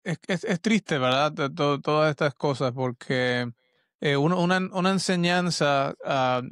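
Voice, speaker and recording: A man's voice: fairly high pitch, a little slow, a bit bright, clean tone, no echo. A man hosting a podcast interview, reflective and stammering at the starts of thoughts. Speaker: podcast host. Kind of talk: conversational interview.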